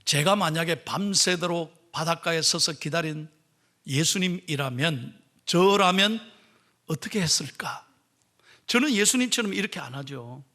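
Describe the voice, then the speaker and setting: A man's voice: a little high, expressive, a little slow, sharp tone. A man preaching a sermon as pastor, emphatic, leading the congregation in reading aloud.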